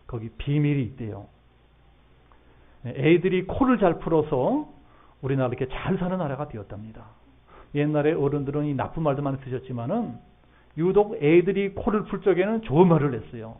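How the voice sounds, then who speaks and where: A middle-aged pastor with a high, light voice gives a sermon in a church, talking to his congregation and often asking them questions. The sound is thin and narrow, like a phone line. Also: lively intonation, fairly quick. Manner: conversational preaching with questions to the congregation. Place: church sanctuary.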